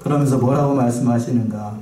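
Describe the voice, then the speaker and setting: A man's voice: mid-range voice, fairly even intonation, fast, dark tone. Man preaching in a roomy church. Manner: questions the congregation, repeating key phrases. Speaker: pastor. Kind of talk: sermon. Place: church sanctuary. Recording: roomy, distant, faint noise.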